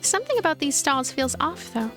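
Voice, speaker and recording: A woman's voice: sits high, sing-song, fairly quick, fairly bright tone, soft background music. A woman voicing a timid, wonder-struck young heroine in a visual novel.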